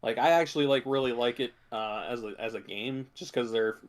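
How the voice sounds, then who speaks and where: Halting, casual man co-hosting a podcast. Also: medium pitch. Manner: halting, hedging delivery with many filler words. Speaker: podcast co-host. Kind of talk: casual chat about video game movies.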